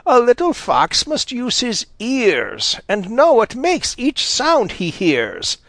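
A man voicing a sharp-tongued, cross old female fox in a storybook. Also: sits high, no room sound, voice pushed up, heavily acted. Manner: scolding, snappish.

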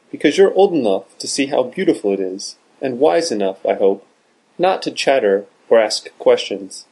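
A man voicing a kindly middle-aged father and doctor who speaks warmly and teasingly. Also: mid-range voice.

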